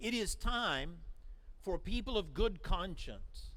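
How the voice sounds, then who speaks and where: A man talks very slowly with a Southern US accent. His high-pitched voice has a bright, sharp tone and ordinary pitch variation. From US South. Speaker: pastor. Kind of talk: vigil speech. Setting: outdoors. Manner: impassioned.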